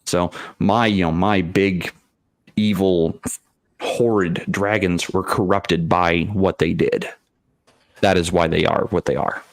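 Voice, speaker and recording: A man in a casual tabletop gaming discussion, speaking as a game master and explaining things in a halting, rambling way with repeated phrases. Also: low-pitched, steady tone, no room sound.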